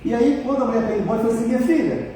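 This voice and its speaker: A man preaching a sermon as pastor in a church, telling stories in a colloquial, animated way and calling on the congregation for responses. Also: extremely high pitch, very fast. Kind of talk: sermon with storytelling. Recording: echoey church hall, mic far off, faint noise.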